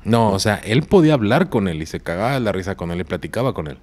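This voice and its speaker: Speaking at a quick pace in a lowish voice, a Mexican Spanish-accented man tells a story as a guest on a podcast. He keeps it casual and slangy, turning animated when he quotes someone.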